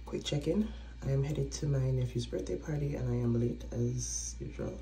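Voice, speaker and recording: A woman's voice: a bass voice, moderate pace, roomy sound. Chatty woman, a bit throaty. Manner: chatty, relaxed, talks while doing makeup. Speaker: vlogger. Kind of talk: casual vlog chat to camera. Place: small indoor room, by a window. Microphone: phone camera close up.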